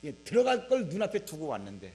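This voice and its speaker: A man preaching a Sunday sermon as head pastor, conversational and animated, acting out the scripture. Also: fairly high pitch, fast, slight background noise.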